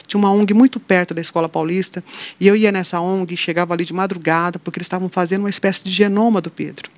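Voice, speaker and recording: A woman's voice: on the low side, fast talker. A middle-aged woman, a guest on an interview show, telling a personal faith story and acting out the voices of the people in it. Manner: lively storyteller who acts out quoted dialogue. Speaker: interview guest, mother of an atypical child. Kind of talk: personal faith testimony in conversation.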